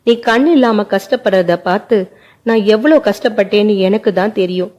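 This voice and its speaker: A grief-stricken young woman speaks through tears in a spoken family story, as a woman narrator voices her. Her tone is warm and mellow at a moderate pitch. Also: normal speed, lightly acted. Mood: grieving. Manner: tearful, despairing delivery.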